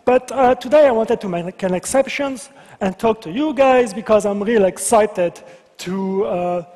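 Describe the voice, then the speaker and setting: A man's voice: high voice, normal speed, darkish tone. A man with a French accent giving a conference presentation as a game designer, playful and self-deprecating, with joking asides. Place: large convention hall. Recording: reverberant hall.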